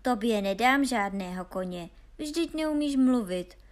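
A woman's voice: fairly high pitch, animated, lightly acted. A woman reading aloud and voicing a stern old father who scolds his youngest son. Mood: scolding.

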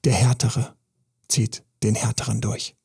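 A man's voice: fairly low pitch, little pitch movement, measured pace, vocal fry, a little mellow, breathy edge. A man, a relationship coach giving an emphatic, intense podcast monologue full of repetition.

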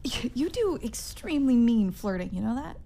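An actress playing a dry, affectionate starship captain, gently chiding in manner, in a science fiction audio drama. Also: female voice, on the high side, sing-song, normal speed, creaky, a little hiss or hum.

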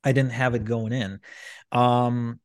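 A man's voice: medium pitch, level tone, slow pace, no room sound. Rambling man, dry sound. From Ukraine. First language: Russian. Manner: rambling, frequent restarts and fillers. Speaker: podcast guest, entrepreneur. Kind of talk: candid storytelling interview.

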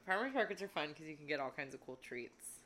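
A woman co-hosting a podcast, chatting in a bright, lively voice that swoops up and down. She talks with emphatic, giggly energy, and her pitch sits a little on the low side. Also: fast talker. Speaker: podcast co-host. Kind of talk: casual chat.

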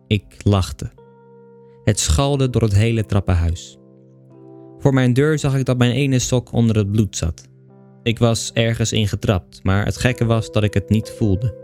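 A man reading a bedtime story aloud in calm, even scripted narration with a dry, understated manner. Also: mid-range voice. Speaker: audiobook reader.

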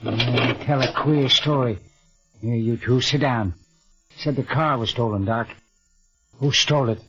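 An actor playing a gruff, suspicious old cemetery caretaker in an old-time radio drama, husky and brusque. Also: male voice, mid-range voice, measured pace, a bit bright. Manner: brusque, challenging. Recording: dull old radio recording, music behind.

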